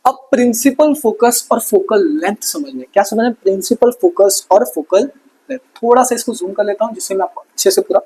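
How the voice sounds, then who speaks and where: A man's voice: high-pitched, fairly quick, a little mellow, breathy edge, rough recording. A young man teaching an online lesson, repeating each term as a question and slipping in joking asides.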